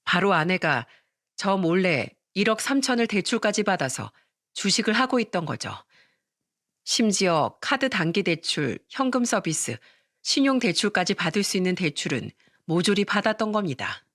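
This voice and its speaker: Brief: female story narrator, mid pitch, dry close mic. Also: moderate pace, dry recording. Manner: even, storytelling delivery.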